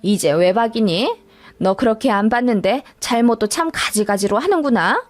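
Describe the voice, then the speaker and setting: Brief: woman playing a bossy middle-aged mother-in-law, accusing and self-righteous, high voice, dry sound. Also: expressive, normal speed, no room sound, soft background music, lightly acted. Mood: sneering. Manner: nagging, accusing.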